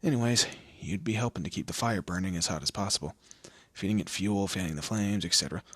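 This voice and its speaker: A man's voice: low voice, fast, fairly bright tone, no room sound. A man voicing a smug, teasing demon lord in a scripted audio roleplay, with a theatrical, condescending manner and amused asides. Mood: wry, matter-of-fact. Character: smug, teasing male demon lord, proud torturer and bureaucrat.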